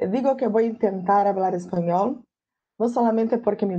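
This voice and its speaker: A woman speaks with a Portuguese accent at medium pitch. Her tone is dark and mellow. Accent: Portuguese-accented Spanish, portuñol. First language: Portuguese (speaking Spanish). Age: 30s. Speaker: history professor and researcher. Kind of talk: lecture.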